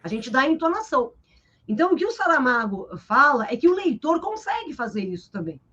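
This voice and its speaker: A Brazilian woman teacher with a fairly high voice talks through a book in a live interview, animated and explanatory, often tagging her sentences with a questioning "né?". The sound is dull and lo-fi, like a webcam on a live stream. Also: a little fast, slightly rough. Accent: Brazilian Portuguese. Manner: lively and explanatory, tags sentences with "né?". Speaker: literature teacher.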